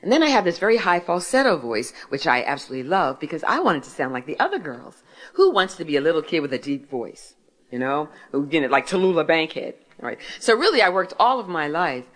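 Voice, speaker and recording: An author and speaker in her sixties from Philadelphia shares her faith testimony with an audience in a deep voice. She tells stories and asks questions that she answers herself.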